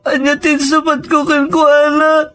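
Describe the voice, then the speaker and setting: Man acting a high-pitched, tearful, repentant younger brother. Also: monotone, a little slow, sharp tone, full character voice. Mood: anguished, crying. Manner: tearful, pleading delivery. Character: distraught repentant younger brother, sorrowful and guilt-ridden. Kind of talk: emotional audio drama acting. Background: background music.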